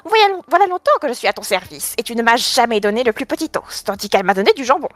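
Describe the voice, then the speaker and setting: A woman voicing a thin black cat in a fairy tale, giving slow, deliberate advice. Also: fairly high pitch, big pitch swings, no echo, faint music behind. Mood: complaining. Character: thin black male cat, calm and wise.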